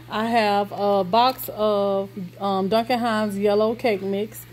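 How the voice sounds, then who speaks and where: Slow-talking woman with a drawl. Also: mid-range voice, slight background noise. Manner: slow, listing items with many ums and pauses. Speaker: vlogger. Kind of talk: casual grocery haul walkthrough. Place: home kitchen indoors.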